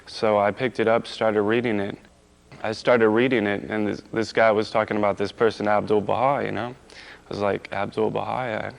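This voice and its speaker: A man's voice: fairly low pitch, flat delivery, moderate pace, vocal fry. A young man being interviewed, giving a casual personal account in a conversational way.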